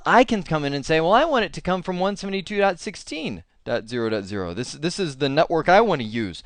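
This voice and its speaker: Animated, rambling male IT instructor. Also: on the high side, quick pace, dry recording. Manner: animated, rambling, frequent fillers and restarts. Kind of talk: casual tech lesson.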